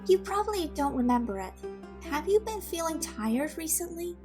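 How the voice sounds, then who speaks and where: Woman acting a high-voiced, gentle young servant woman. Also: big pitch swings, normal speed. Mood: careful, tender. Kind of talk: audio drama acting. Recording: music under the voice. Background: music.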